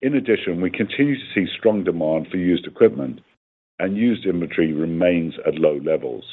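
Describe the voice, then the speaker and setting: A man reading a scripted corporate financial presentation in a formal, measured way, as an executive on a conference call. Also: sits low. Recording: tinny phone-like conference line.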